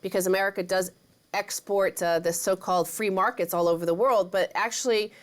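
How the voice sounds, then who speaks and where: A woman's voice: medium pitch, fairly even intonation, a little fast. A woman hosting an interview, asking long questions with many false starts and restarts. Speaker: host.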